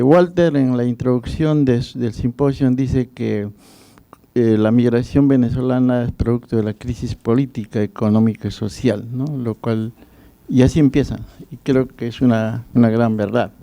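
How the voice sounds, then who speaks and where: A man's voice: mid-range voice, warm tone, smooth, no room sound, highs cut off. A middle-aged man, a physician and researcher, commenting formally from the floor at a symposium.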